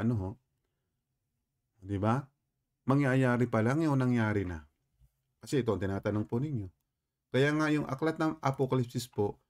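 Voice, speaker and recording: A man's voice: lowish voice, darkish tone. Man teaching scripture with questions. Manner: questioning, repeatedly checking understanding with listeners; polite, with frequent respectful particles. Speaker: Bible teacher. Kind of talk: explaining scripture to listeners.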